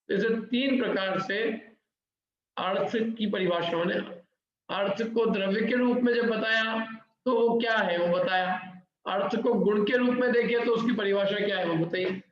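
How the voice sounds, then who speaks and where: A high-pitched man teaches an interactive Jain scripture class, explaining step by step and putting questions to the class. The room is very echoey, and the recording sounds dull and lo-fi.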